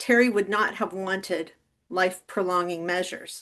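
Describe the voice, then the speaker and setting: A woman in a plain, everyday voice, with ordinary pitch variation and a fairly slow pace, against a quiet background. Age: 60s. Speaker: attorney presenter. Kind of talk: webinar lecture. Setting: online webinar. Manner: conversational with frequent fillers.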